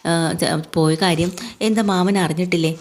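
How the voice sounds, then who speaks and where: A woman's voice: lowish voice, fairly even intonation, normal speed, darkish tone, lightly acted. A woman voicing a suspicious young woman who presses an older man for the truth.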